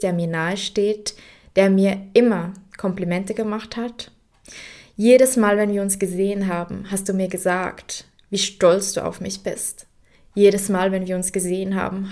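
A young woman hosting a podcast, talking heartfelt and unscripted straight to her late grandfather, soft and reflective, at times dropping almost to a whisper. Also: medium pitch. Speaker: podcast host. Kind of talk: unscripted personal monologue.

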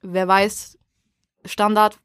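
A woman's voice: medium pitch, flat delivery, drawn-out words, fairly bright tone, clear, resonant tone, dry recording. Young woman on a podcast, jokey, keeps talking to the listeners, dry close mic. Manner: chatty, addresses listeners as "Leute", jokey. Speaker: podcast co-host. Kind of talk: casual chat about rap.

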